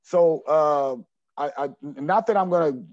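A man's voice: on the high side, measured pace, darkish tone, dry recording, highs cut off. A man in his forties, a basketball coach answering podcast questions earnestly, often repeating words as he finds his thought. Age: 40s. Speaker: junior college basketball coach.

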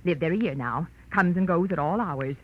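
An actress playing a nosy, prim, gossipy spinster neighbor with an American accent and husky voice in 1940s radio drama, chattering with scandalized indignation. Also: female voice, fairly low pitch, moderate pace. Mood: suspicious, eager. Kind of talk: 1940s radio character acting. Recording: muffled vintage 1940s radio recording.

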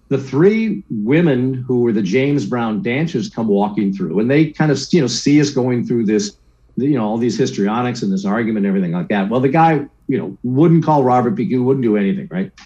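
Mellow-voiced older man telling stories. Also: mid-range voice, muffled recording. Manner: lively anecdotes, acts out quoted voices, keeps asking "right?". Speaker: guest, sports broadcaster. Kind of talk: casual storytelling interview.

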